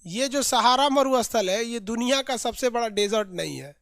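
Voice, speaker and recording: Lively teacher drilling names. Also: male voice, extremely high pitch, normal speed, gravelly, dry recording, clean studio sound. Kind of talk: online geography class.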